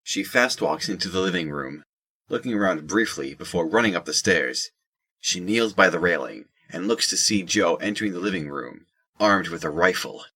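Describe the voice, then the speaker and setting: A man with a husky voice reading scripted narration for an audio drama. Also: sits low, animated, normal speed, pushed and bright.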